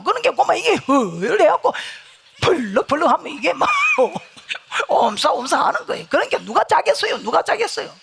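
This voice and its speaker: A woman preaching a revival sermon in a church with a Gyeongsang Korean accent, telling stories, loud one moment and hushed the next. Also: sits high, creaky, slight background noise. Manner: storytelling, swings from loud to hushed. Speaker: guest pastor. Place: church sanctuary.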